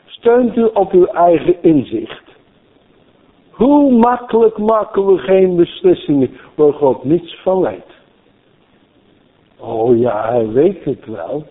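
A man preaching a storytelling sermon, animated and repeating phrases for emphasis, heard through a thin, phone-like radio broadcast. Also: a little high, slow pace, pauses often.

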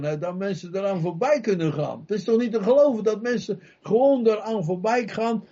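A man's voice: on the high side, warm tone. A man preaching a sermon with fervour, repeating phrases and asking his listeners one rhetorical question after another. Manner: fervent, repetitive rhetorical questions. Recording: dull lo-fi recording.

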